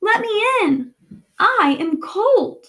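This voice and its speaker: A female-sounding, put-on character voice comes out squeaky and extremely high in pitch. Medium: read story. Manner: haughty.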